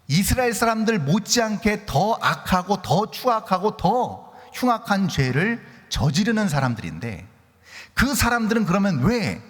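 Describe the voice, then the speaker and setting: A man preaching a sermon as a pastor, posing rhetorical questions and acting out complaints. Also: a little high. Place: church sanctuary. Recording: long church hall reverb.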